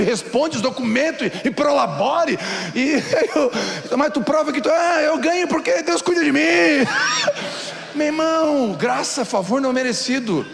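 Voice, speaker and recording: A man with a Brazilian Portuguese accent, a pastor preaching a sermon in a church hall and acting out excited voices as he tells stories. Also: very high-pitched, creaky, a little hiss or hum. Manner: lively storytelling, acts out excited voices.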